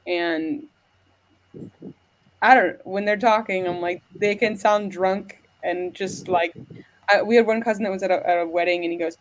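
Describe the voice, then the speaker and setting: A woman's voice: medium pitch, fairly even intonation, normal speed. An American woman hosting a casual chat, rambling with many fillers. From United States. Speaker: podcast host.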